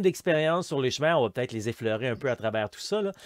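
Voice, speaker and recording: A man speaks in a Quebec accent. His intonation is lively. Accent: Québécois. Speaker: hiking podcast host, journalist and speaker. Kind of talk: casual interview show intro. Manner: hesitant with frequent fillers.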